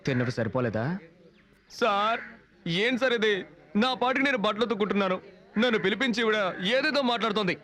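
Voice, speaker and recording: A man's voice: high voice, animated, fast, pauses often, pushed and bright. An actor playing a wily small-time con man in jail, sarcastic and wheedling. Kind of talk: Telugu film comedy acting.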